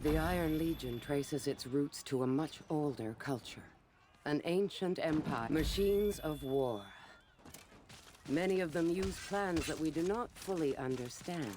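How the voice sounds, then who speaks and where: An actor voicing a grave, seasoned knight who recounts his homeland's wars in measured, reflective game narration. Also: on the high side, background noise, close to an everyday voice. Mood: solemn, reflective. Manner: measured, solemn, reflective storytelling. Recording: battle ambience and clatter behind voice.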